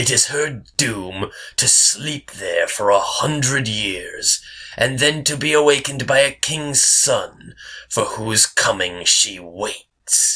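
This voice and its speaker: A put-on character voice goes along at a fairly slow pace. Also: man, fairly high pitch for a man. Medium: read story. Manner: deferential.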